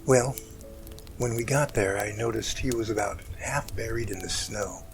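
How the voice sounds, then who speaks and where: A man playing an emotional rescuer in an amateur audio drama, recounting events in an earnest, halting, dramatic way. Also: lowish voice, vocal fry. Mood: earnest, awed. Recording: music bed under the voice.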